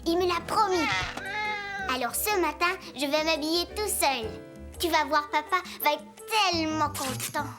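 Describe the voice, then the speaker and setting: A performer voicing a timid, curious four-year-old boy in an animated children's series, childlike and earnest. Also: high-pitched, moderate pace, music in the background, close to an everyday voice. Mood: excited.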